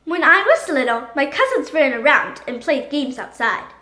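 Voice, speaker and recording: Woman, high-pitched, lively storybook narration, expressive, echoey room. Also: normal speed. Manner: expressive, dramatic. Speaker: children's book read-aloud host.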